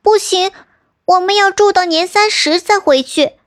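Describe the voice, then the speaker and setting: Woman doing a high sweet young princess. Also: moderate pace. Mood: eager. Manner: high, bright, insistent. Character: sweet young heavenly princess, eager and firm.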